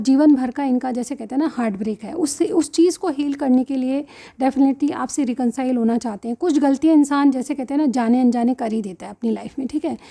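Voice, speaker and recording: High-pitched woman reading tarot. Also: dark tone. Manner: rambling, repeats 'theek hai' as filler. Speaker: tarot reader. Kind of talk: casual spoken reading to viewers.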